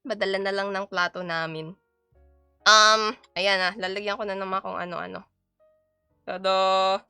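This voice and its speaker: A woman's voice: medium pitch, steady tone, moderate pace, vocal fry, sharp tone, clear, resonant tone, dry recording, clean studio sound, faint music behind. A young Filipino woman with a mixed Filipino accent, chatting playfully on a live stream while she cooks and switching between Tagalog and English. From Philippines. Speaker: VTuber streamer. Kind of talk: casual live-stream chat while cooking.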